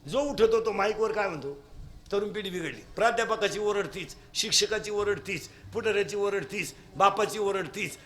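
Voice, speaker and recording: A man preaching a humorous devotional kirtan sermon, mocking and mimicking people as he talks. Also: high voice. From Maharashtra. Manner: lively, mocking, mimics people in their own voices.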